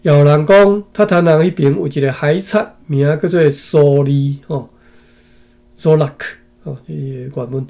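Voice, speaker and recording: A man from Taiwan with a mellow, fairly high voice reads an old text aloud. He goes phrase by phrase and breaks off for asides to his listeners, often ending them with a tag particle. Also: normal speed, gravelly. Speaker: reader and commentator. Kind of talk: reading a historical text aloud with commentary.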